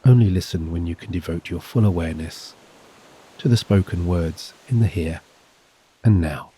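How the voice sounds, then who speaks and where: A man narrating a scripted guided sleep hypnosis in a soothing, gentle, measured voice with long pauses. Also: sits low, slightly rough. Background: soft relaxing music and gentle waves.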